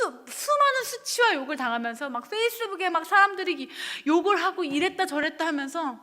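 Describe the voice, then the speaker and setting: A woman's voice: high voice, pushed and bright, in a large hall. A young woman pastor preaching a sermon in a church, earnest and emotional, her voice sometimes breaking into tears. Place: church sanctuary.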